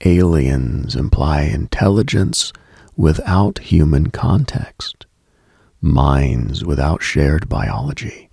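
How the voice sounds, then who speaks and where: Slow, gravelly low-voiced male late-night host. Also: sing-song, dark tone, no room sound, studio quality. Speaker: radio host. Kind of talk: late-night mystical radio monologue, scripted narration.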